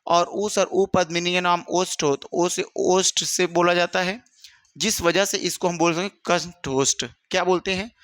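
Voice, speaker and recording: A male teacher leads an exam-prep grammar lesson with a high, bright voice. He fires questions at his students, answers them himself and keeps calling them "my brother." The sound is close and dry. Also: fairly even intonation, moderate pace, dry recording.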